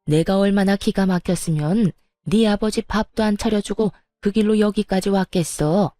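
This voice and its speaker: A woman's voice: mid-range voice, moderate pace, dark tone, no room sound, studio quality, soft background music, lightly acted. A woman voicing an angry, sarcastic older mother-in-law who bullies her daughter-in-law. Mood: scolding. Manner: sneering, bullying, sarcastic.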